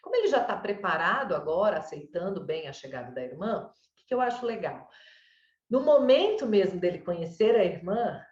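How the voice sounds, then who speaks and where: Here a woman consultant in child development, Brazilian Portuguese accent, talks a parent through advice in a low, sing-song voice at a fairly quick clip. She's warm and patient, leaning often on "né?" and "sabe?", captured on a dull, distant mic in a roomy space.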